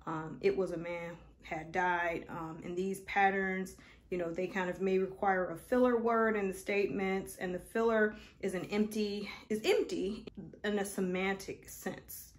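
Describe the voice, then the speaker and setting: A woman in her thirties with an African American accent, giving an informal explainer and reading examples from a book in a thoughtful, halting way. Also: mid-range voice, fairly even intonation. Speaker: presenter of an educational video. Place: small indoor room, seated before a wall.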